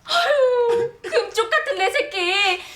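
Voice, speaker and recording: Casting: a shrill, stuck-up mom with a very high, swooping voice. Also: female voice, expressive, slow, full character voice. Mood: haughty. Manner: shrill and scolding, full of exclamations. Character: snobbish, haughty middle-aged mother. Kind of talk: broadcast sketch comedy acting. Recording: echoey stage with music.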